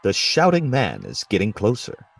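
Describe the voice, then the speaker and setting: A man's voice: on the low side, wildly swooping pitch, normal speed, vocal fry, no echo, heavily acted. A man playing the narrator of an audio play, describing the action as scripted narration. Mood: descriptive.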